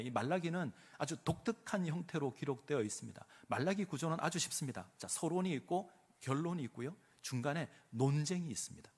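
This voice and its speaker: A man's voice: on the high side, fairly bright tone. A male pastor preaching a sermon, asking the congregation questions and acting out quoted speech with emphasis. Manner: preaching with rhetorical questions and dramatic quoted voices.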